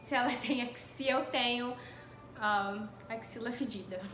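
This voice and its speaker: A woman's voice: fairly high pitch, steady tone, unhurried. A young woman with a Brazilian accent, reading out questions in a casual chat, recorded in a living room. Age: young adult. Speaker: interviewer reading viewers' questions. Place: small living room, on a couch. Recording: echoey room with light background noise.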